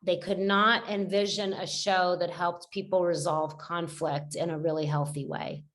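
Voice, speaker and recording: Reflective middle-aged woman, lowish voice. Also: level tone, measured pace. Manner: reflective, rambling with many fillers and restarts. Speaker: guest. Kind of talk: casual conversational interview.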